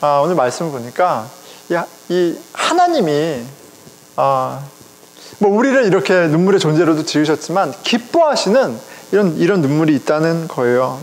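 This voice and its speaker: A middle-aged man, a pastor, preaching a sermon in a conversational, animated way, speaking directly to his congregation. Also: a little high, moderate pace. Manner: conversational, animated, chuckles often, addresses congregation. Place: church sanctuary. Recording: long reverb of a church hall.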